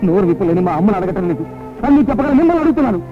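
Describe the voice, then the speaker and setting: A young man acting as a chatty, flattering servant in a film scene. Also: high-pitched. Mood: demanding. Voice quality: rapid, flattering. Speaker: film hero. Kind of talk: Telugu film dialogue. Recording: tinny lo-fi film soundtrack, music.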